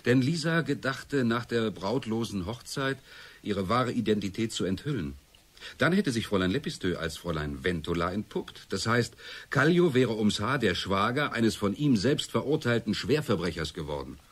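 Low, husky, composed murder suspect. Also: male voice, very animated, normal speed, a bit bright, full character voice. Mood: frank, composed. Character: male murder suspect, composed, frank fiancé. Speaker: actor. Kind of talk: German radio crime drama acting.

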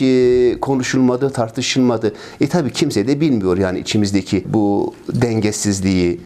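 A medium-pitched man with a darkish tone, this ski club president in his fifties earnestly answers interview questions while complaining at length. Many fillers and repeated phrases mark his speech, recorded by lapel mic indoors in an office with trophies and flags.

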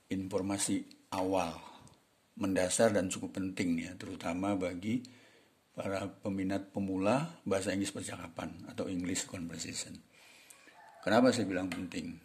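A middle-aged man runs a casual video lesson as an English tutor, chatting loosely with plenty of fillers and polite apologies. His voice is low and warm, with a mellow, relaxed tone.

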